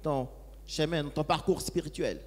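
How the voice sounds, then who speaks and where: A man's voice: fairly high pitch, normal speed, a little mellow. A man interpreting a sermon phrase by phrase, following each line closely with occasional hesitations. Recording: echoey hall.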